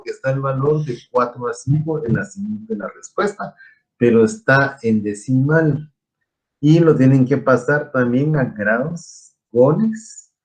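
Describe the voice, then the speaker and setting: A man from Guatemala teaching an online engineering class, explaining step by step and quizzing his students. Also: mid-range voice. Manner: explanatory, asks students questions.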